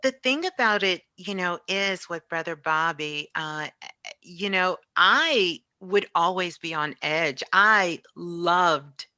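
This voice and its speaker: A woman reminiscing in casual conversation as a show host, halting and repeating words as she reflects. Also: lowish voice, pushed and bright, no echo, studio quality.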